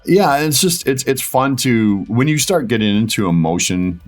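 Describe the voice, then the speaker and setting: A man talking casually as an interview guest, thinking aloud in short, halting phrases. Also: mid-range voice, animated. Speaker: voice actor and director, interview guest. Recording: music behind the voice. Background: background music.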